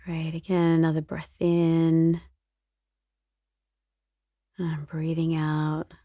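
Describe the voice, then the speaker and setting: In a clean, dry studio recording, a woman leads a guided meditation with a low, completely flat delivery. She is soothing, gentle and unhurried, and her soft voice grows breathy at moments.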